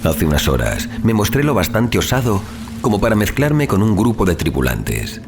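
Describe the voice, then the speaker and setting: A man narrating a horror audiobook in a measured, solemn, theatrical manner, as a dramatic scripted reading. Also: lowish voice, huge pitch swings, gravelly, background noise. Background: music.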